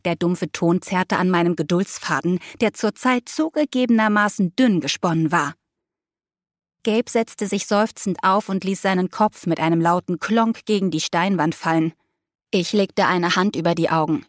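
A woman's voice: lowish voice, normal speed, no room sound. Woman narrating an audiobook, dry studio sound. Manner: expressive, emotive storytelling. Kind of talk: first-person audiobook narration. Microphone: close studio mic.

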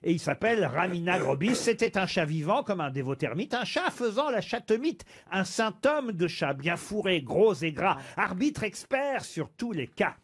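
A man's voice: high voice, very animated, moderate pace, hardly any pauses, breathy edge. A man hosting a radio panel game show, reading verse aloud and then quizzing the panel. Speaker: quiz host.

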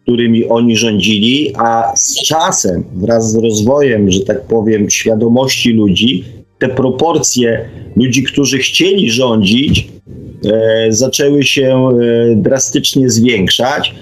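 Man, radio host, very slow halting delivery, mid pitch, reflective discussion, frequent tag questions. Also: faint music behind, rough recording.

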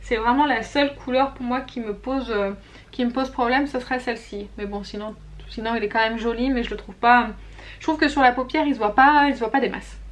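A woman's voice: on the high side, brisk, slight background noise. A young woman talking casually and candidly to her camera at home as she reviews makeup and skincare products, restarting her sentences often. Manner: chatty and candid, with frequent fillers and self-corrections. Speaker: beauty vlogger. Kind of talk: casual monthly favorites and flops review.

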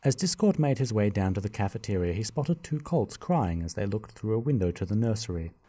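A man narrating a fan radio drama in a plain, steady storybook manner. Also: lowish voice, no room sound.

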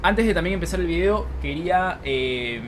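A man's voice: high-pitched, expressive, normal speed. A man in his twenties talking casually to camera like a gaming vlogger, explaining things step by step. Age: 20s. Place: small room at home with open window. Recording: clear background noise from street, open window.

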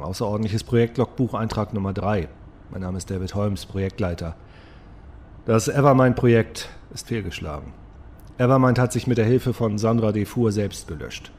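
A man's voice: fairly low pitch, darkish tone, slight background noise, natural voice. A man playing a sober, resigned scientist and project leader, dictating a formal, solemn log entry in an audio drama. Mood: grave, formal.

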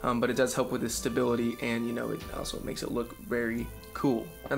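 A man's voice: medium pitch, gravelly. A young man giving a casual, unscripted showcase as a hobby presenter, talking in a hesitant, loosely worded way. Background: background music.

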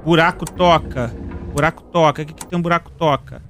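Young brazilian man, let's play commentary, high voice, excitable, panicky exclamations. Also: fairly quick, gravelly, soft background music. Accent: Brazilian Portuguese. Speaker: gaming streamer.

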